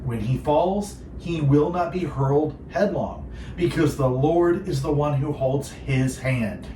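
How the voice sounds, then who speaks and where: A man's voice: on the high side, slow, dark tone. Distant, echoey man hosting Christian radio. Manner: earnest, reflective, polished phrasing. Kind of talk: devotional radio talk with co-host. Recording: roomy echo, distant, clearly noisy.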